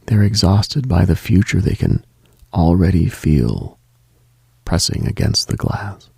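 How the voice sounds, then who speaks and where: A man hosting a late-night radio show, speaking a slow reflective monologue in a hushed, half-whispered delivery. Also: sits low, lively intonation, gravelly, breathy edge.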